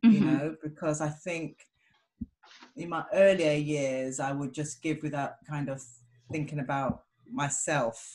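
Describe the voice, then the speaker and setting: Speaking at a fairly slow pace with long, frequent pauses, a woman uses a very deep, low pitch with ordinary pitch variation and big swings in loudness. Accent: British. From England, of Jamaican parentage. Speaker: podcast guest, aspiring podcaster. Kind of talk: casual interview chat. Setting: online call, audio only.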